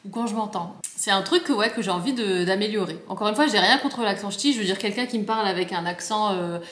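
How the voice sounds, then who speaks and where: A woman's voice: mid-range voice, fast, a bit bright. A young woman with a northern French ch'ti accent, chatting casually on a vlog and rambling with lots of fillers and restarts. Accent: Picard (ch'ti), northern France. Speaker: vlogger. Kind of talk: casual chat to camera. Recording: echoey room.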